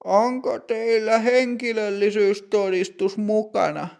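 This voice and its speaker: A man voicing a strict older female bank clerk in a story lesson, speaking slowly and formally with a gravelly edge. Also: high voice, fairly even intonation, a little mellow, voice pushed up. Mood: stern. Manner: slow, precise, formal.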